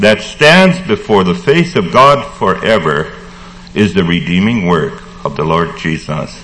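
Over noticeable background noise, a man with a fairly low pitch talks very slowly, his pitch swinging very widely. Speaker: preacher. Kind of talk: sermon delivered live to a congregation, with direct rhetorical questions. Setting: church. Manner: earnest and fervent, pleading with listeners as 'dear fellow traveler'; formal, archaic biblical phrasing.

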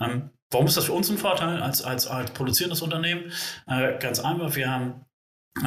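The delivery comes at a fairly quick pace with fairly even intonation. Audible room echo surrounds it. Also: man. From northern Germany, Bremen. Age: 40s. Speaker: building materials executive, trained carpenter. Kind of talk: interview.

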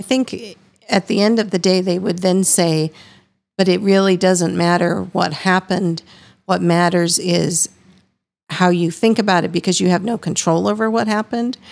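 In an ordinary speaking voice with an American accent, a woman talks at a medium pitch and a moderate pace, with fairly even intonation. Her loudness is very even, and the recording is very clean with a silent background. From Iowa, US Midwest. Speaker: podcast guest, discussion content writer. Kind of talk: casual chat.

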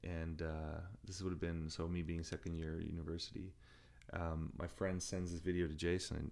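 A man with a Canadian accent and a very deep, low pitch, at a moderate pace with fairly even intonation. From London, Ontario, Canada. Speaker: Olympic bobsledder. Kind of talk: long-form interview. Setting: in person at the hosts' home.

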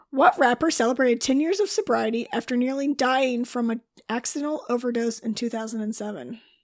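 The recording is very clean, with a silent background. A woman speaks high-pitched with ordinary pitch variation. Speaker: quiz host. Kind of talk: quiz reading. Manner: fast.

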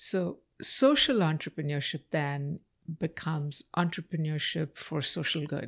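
In an Indian accent, a woman speaks at a fairly slow pace with a very deep, low pitch. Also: ordinary pitch variation. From India (Mumbai). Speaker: professor and nonprofit leader. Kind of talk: podcast interview.

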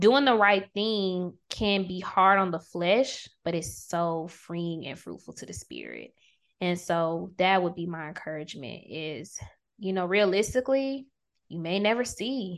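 In a normal speaking voice, a woman with an American accent talks at a fairly slow pace and medium pitch, with ordinary pitch variation. Her loudness swings widely against a quiet background. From US South, Augusta, Georgia. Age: young. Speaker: podcast host. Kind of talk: faith testimony interview.

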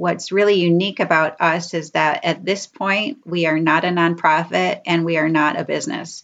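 A plain, everyday voice with an American accent moves at a moderate pace, with fairly even intonation and very even loudness. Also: woman, fairly low pitch for a woman. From Rochester, New York. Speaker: former nurse and animal project founder. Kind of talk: casual interview.

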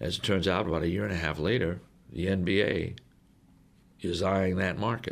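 At a fairly quick pace, a man with a very deep, low pitch and vocal fry talks with ordinary pitch variation, breaking it up with long, frequent pauses. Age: 60s. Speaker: basketball play-by-play broadcaster. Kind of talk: casual interview conversation.

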